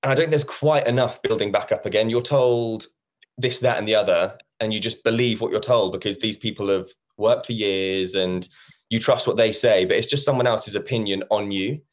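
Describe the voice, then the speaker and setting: Guy in his 30s, low-ish voice, chatty, acts out old convos as he tells them. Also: normal speed. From England. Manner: chatty, acts out quoted conversations. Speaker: musical theatre actor, guest. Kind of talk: casual interview chat.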